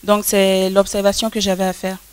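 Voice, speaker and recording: A woman's voice: medium pitch, little pitch movement, moderate pace, smooth, no echo. A woman making a formal observation from the audience, choosing her words carefully. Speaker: audience member commenting at a panel.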